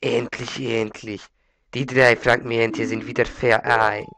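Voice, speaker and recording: A man with a slight cold voicing an imperious, power-hungry villain warlord, reading game dialogue aloud in a slow, commanding manner. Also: mid-range voice, flat delivery, a crowd in the background, voice pushed down. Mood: triumphant. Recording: game music behind.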